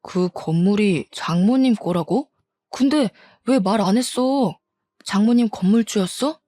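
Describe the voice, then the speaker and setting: A woman's voice: medium pitch, a little slow, mellow, dry recording, close to an everyday voice. A woman voicing a young husband, a mama's boy who talks in a mocking way. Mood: stunned.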